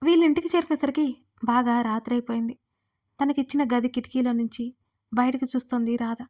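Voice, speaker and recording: Female narrator, audio serial; fairly high, flat even reading. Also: fairly quick. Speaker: storyteller. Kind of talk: scripted story narration.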